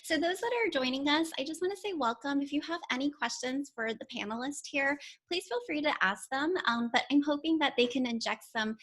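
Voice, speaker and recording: A woman's voice: high-pitched, animated, brisk, hardly any pauses, a bit bright. A woman hosting a live career Q&A over a video call, upbeat and encouraging, with many fillers. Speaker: host of a live panel Q&A.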